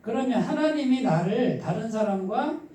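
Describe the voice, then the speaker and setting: Husky mellow guy pastor preaching kinda chatty, asks questions n answers them, super echoey room. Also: very high voice, lively intonation, normal speed. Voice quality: husky, stifled. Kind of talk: conversational sermon. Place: church midweek service, echoing room. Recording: echoey church hall, distant mic.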